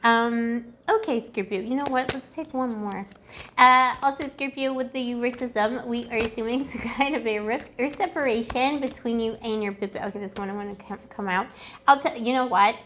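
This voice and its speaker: A woman with a fairly high voice hosts a casual love tarot reading. She talks straight to her viewers in a playful, rambling way, full of pet names and asides. Her voice sounds a little worn, as if it is starting to go. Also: moderate pace, a bit bright, slight background noise. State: slightly losing her voice. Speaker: tarot reader and channel host.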